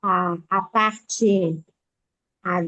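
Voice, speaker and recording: A woman, a church member in a Bible study, speaks hesitantly and haltingly, searching for words as she explains her understanding. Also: medium pitch, fairly even intonation, pushed and bright, no echo, low-quality recording. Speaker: church member asking a question.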